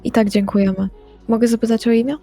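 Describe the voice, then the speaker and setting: A woman plays casually in a tabletop roleplaying game. She has a mellow, mid-pitched voice with noticeable fry, over faint music. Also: fairly even intonation, fast.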